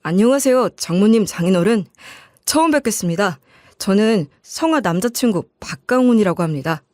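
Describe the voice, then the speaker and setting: Woman acting a polite young man, courteous, formal, deferential, storybook drama, medium female pitch. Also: lively intonation, brisk, a little mellow, no room sound, studio quality, close to an everyday voice. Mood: courteous, respectful. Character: polite, well-mannered young man greeting future in-laws.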